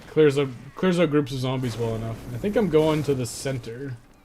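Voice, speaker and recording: A man speaks at a fairly high pitch, with ordinary variation in it. Music plays in the background. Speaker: gaming streamer and guide maker. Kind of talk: casual live stream gameplay chat. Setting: live stream. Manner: fast.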